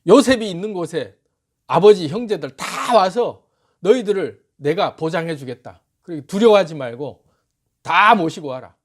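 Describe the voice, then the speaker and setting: A man's voice: high voice, animated, normal speed. A man voicing a generous Egyptian king who orders the brothers to bring their father to Egypt. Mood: commanding.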